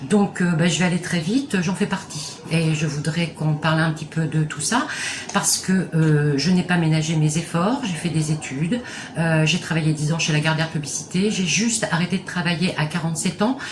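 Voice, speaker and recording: Noticeable background noise fills the recording. Through it, a woman talks with a fairly low voice. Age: 60s. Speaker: unemployed senior giving testimony. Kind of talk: testimony. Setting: to camera. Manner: hesitant, many fillers.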